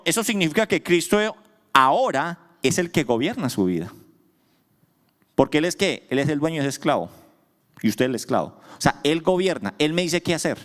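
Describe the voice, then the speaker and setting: Male pastor, sermon, lively swooping delivery, call-and-response, echoing church hall. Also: fairly high pitch. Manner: asks the congregation questions, answers himself emphatically. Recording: long church hall reverb.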